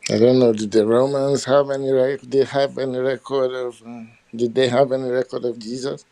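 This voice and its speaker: A man who is not a native English speaker muses wryly in a casual debate. His voice is mellow and warm, recorded close and dry with no room sound, at a middle pitch. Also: flat delivery, normal speed, gravelly, dry recording, rough recording.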